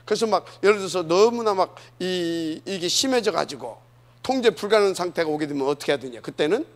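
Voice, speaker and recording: A man preaching a sermon, often asking the congregation questions and swinging between loud emphasis and soft asides. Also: high voice, expressive, fairly quick. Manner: asks the congregation questions, many fillers, dynamic swings. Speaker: pastor.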